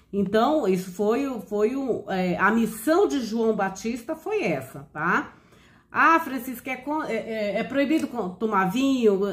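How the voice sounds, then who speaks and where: A somewhat breathy voice at a very slow pace, with very wide pitch swings. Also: woman, fairly high pitch for a woman. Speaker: Bible teacher. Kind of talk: Bible teaching video. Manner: halting, many fillers.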